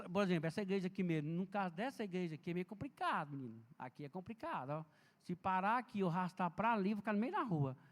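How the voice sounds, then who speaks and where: High-voiced man lecturing in a church hall. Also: a little mellow. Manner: chatty, storytelling, addresses the audience directly. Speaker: health and safety speaker. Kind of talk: informal seminar lecture. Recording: long reverb in a big church hall.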